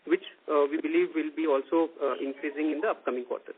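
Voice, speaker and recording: A man's voice: a little high, fairly even intonation, quick pace. A man speaking as a company executive, giving careful corporate answers on an earnings call with many filler phrases. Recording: noisy, clicking narrow phone line.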